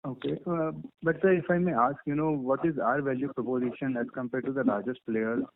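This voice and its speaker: Creaky Indian man on a noisy phone. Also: mid-range voice, fairly even intonation, fairly quick. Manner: polite, deferential. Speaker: analyst asking questions. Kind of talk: earnings call questioning. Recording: noisy, crackly phone line with clicks.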